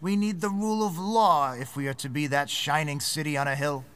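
A man's voice: fairly high pitch, steady tone, a little fast, a bit bright, clear, resonant tone, natural voice. An actor playing a pompous, testy council chairman, officious and formal, in a 1940s-style radio drama. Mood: stern, accusing.

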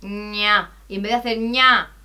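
Woman from teaching singing, chatty, bright tone, keeps asking if you got it. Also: medium pitch, steady tone, unhurried, clear, resonant tone. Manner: chatty, explains step by step with frequent checks; sings loud sustained vowel demos. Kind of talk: podcast lesson on vocal technique.

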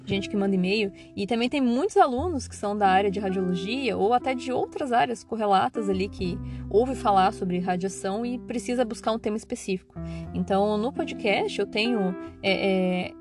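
A woman's voice: medium pitch, normal speed, over music. A Brazilian woman talking casually as a podcast host and teacher, rambling with many fillers and restarts. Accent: Brazilian Portuguese. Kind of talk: casual solo podcast chat.

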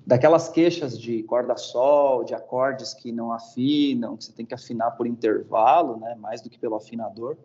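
A man's voice: mid-range voice, moderate pace, few pauses, dark tone. A man in casual conversation, reflecting hesitantly on guitar tuning and often ending his phrases with a tag question. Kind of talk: casual chat about guitars. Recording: dull lo-fi sound.

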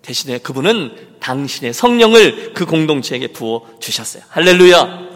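A man's voice: a little high, sing-song, moderate pace, fairly bright tone. A man preaching a Sunday sermon as senior pastor, emphatic and speaking straight to the congregation. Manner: emphatic, keeps addressing the congregation directly. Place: church sanctuary. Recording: long reverb of a large hall.

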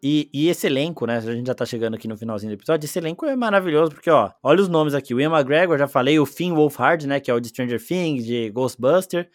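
A young Brazilian man hosting a podcast, chatting casually and excitedly about a film, full of slang and exclamations. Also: medium pitch, fast talker, hardly any pauses, no room sound. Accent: Brazilian Portuguese. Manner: animated, slangy, exclaims often. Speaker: podcast host. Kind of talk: casual film review chat.

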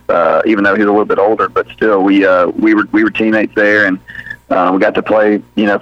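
A man in his thirties, a high school football head coach from Birmingham, talking through an interview in an easygoing, rambling way with lots of fillers and restarts. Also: no echo. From Birmingham, Alabama. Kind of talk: interview on a sports radio show. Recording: dull lo-fi radio audio.

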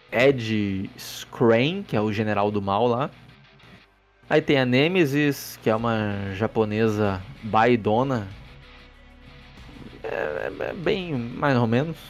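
A Brazilian man hosting a podcast in a sarcastic, rambling way, swearing freely and restarting his sentences. His voice sits in the middle range. Soft background music plays under him. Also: medium pitch. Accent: Brazilian Portuguese. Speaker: podcast host. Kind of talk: casual podcast movie review. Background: faint background music.

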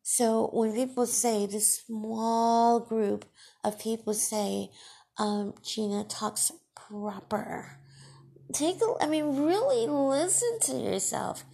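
A woman podcast host with Farsi as her first language talks slowly and deliberately. Her voice has a gravelly, husky texture, and she leans on her words with emphatic, scolding weight. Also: fairly high pitch, dark tone. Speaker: podcast host and radio broadcaster. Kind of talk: solo podcast monologue.

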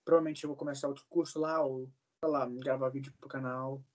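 In a casual interview, a singer in his early twenties rambles through stories, dropping plenty of fillers and swear words. His medium-pitched voice stays level and moves along fairly quickly.

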